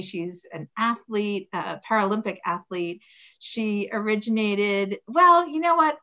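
A woman's voice: mid-range voice, a bit bright, lo-fi sound. A woman hosting a podcast, enthusiastic and bubbly as she introduces her guest. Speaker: podcast host. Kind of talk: podcast interview.

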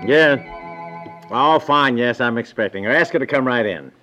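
An actor playing an affectionate, mildly flustered husband in a naturalistic 1950s radio comedy. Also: male voice, mid-range voice, expressive, moderate pace, music in the background, natural voice. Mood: affectionate, cheerful. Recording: dull 1950s radio recording.

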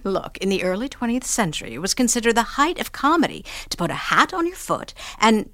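An actress playing an affectionate, wry partner in an audio drama, flirty and teasing and often speaking in a hushed voice. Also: female voice, fairly high pitch, very animated, a little fast, no echo, studio quality. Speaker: show producer.

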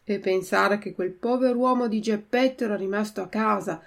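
A woman teacher reading a story aloud slowly, giving different voices to the characters, then going through a word glossary. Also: mid-range voice, gravelly.

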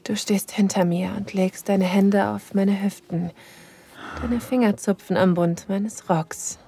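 A woman voicing a young, eager lover in an intimate audio drama, narrating in breathy whispers. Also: mid-range voice, fairly even intonation, slow pace, mellow, exaggerated voice. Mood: aroused.

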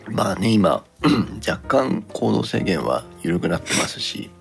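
Low, gravelly, animated man hosting. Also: unhurried, soft background music. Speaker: podcast host. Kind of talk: casual podcast chat.

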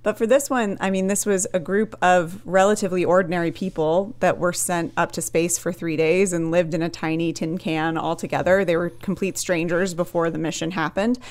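A woman's voice: lowish voice, steady tone, normal speed, few pauses, darkish tone. A woman space reporter as a guest on a radio show, talking with hesitations and fillers. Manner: hesitant, many fillers and restarts. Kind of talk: radio interview.

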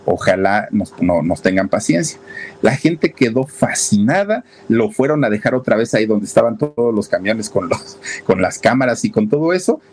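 A man telling a story in a casual, animated way, talking straight to his listeners. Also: mid-range voice, normal speed, slight background noise. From Mexico. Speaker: storyteller host.

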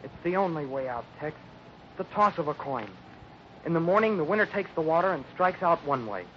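A desperate young Westerner played by a man with a fairly high, urgent, pleading voice. He sounds worn out, in 1950s radio acting on a dull, faintly noisy recording. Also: lively intonation, a little fast, close to an everyday voice. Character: desperate young Western man, exhausted, urging a coin toss. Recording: muffled old radio recording, faint noise.

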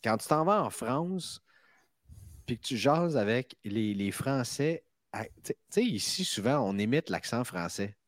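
A man's voice: medium pitch, lively intonation, measured pace, no echo, studio quality. A man with a Québécois accent co-hosting a podcast in casual chat. He sounds tired and jokes around, laughing at his own jokes. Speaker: podcast co-host.

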